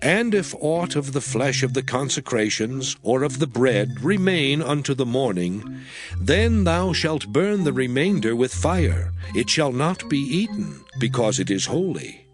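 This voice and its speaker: Music plays clearly behind a man reading scripture as dramatized narration. His delivery is solemn and declamatory, with animated rises and falls in a mid-range voice. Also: mid-range voice, measured pace. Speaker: audiobook scripture reader.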